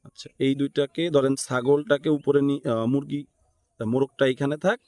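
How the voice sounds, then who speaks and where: A man with a Bangladeshi accent talks through a tutorial step by step in a mid-range voice. He is casual and unscripted, thinking out loud as he works and often tacking on a short question to check in. The sound is dry, with little room echo. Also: medium pitch, fairly even intonation, brisk. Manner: thinks aloud, often seeks agreement with short tag questions. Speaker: tutorial instructor.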